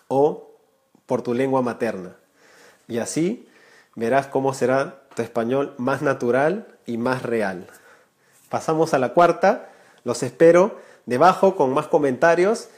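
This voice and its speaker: Earnest male language teacher in his thirties, live stream to camera, mid-pitched voice, small indoor room, webcam sound. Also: moderate pace, a little mellow. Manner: earnest, gestures with hands, addresses viewers directly. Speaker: Spanish teacher, channel creator. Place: small room indoors, warm lamp light.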